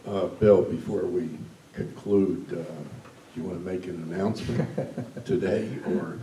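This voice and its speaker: A man's voice: sits low, fairly even intonation, a little slow, mellow, slight background noise. A man moderating a panel, asking questions in a wry, teasing way. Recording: roomy, distant mic.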